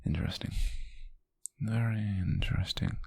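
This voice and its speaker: A British man playing a possessive, softly menacing rich captor in an intimate ASMR roleplay, murmuring in a breathy, husky voice with slow, coaxing deliberation. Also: sits low, dry recording, full character voice. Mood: intrigued, probing. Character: possessive, softly menacing wealthy male captor, obsessive and doting. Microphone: close microphone, dry.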